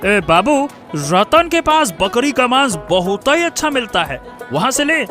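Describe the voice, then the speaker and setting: A man voicing an eager young male servant in a cartoon, pleading and excitable, greedy for meat. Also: extremely high pitch, measured pace, faint music behind, voice pushed up, heavily acted.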